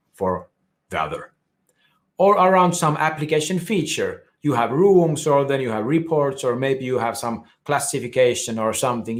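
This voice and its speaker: Finnish male conference speaker, explanatory technical talk with restarts, mid-pitched voice. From Finland. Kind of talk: technical presentation.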